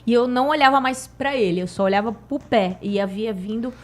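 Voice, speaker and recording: A woman with a Brazilian Portuguese accent from Santos, telling a personal spiritual story in an animated, emotional way on a podcast. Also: fairly high pitch, brisk. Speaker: podcast guest sharing a spiritual experience. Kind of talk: casual chat, storytelling.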